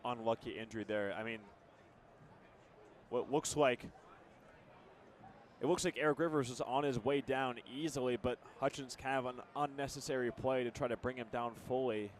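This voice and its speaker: A man's voice: medium pitch, steady tone, normal speed, long pauses, a little hiss or hum. A young man with an American accent giving conversational live football analysis on radio, now and then stumbling over words. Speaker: color commentator.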